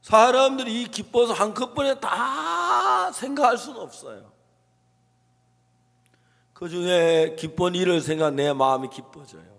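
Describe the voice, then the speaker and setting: A man preaches a sermon in a big church hall, his voice sitting a little high. He moves between quiet, hushed storytelling and emphatic declarations, with acted quotes. Long reverb trails each phrase. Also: lively intonation, a little slow, creaky. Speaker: pastor.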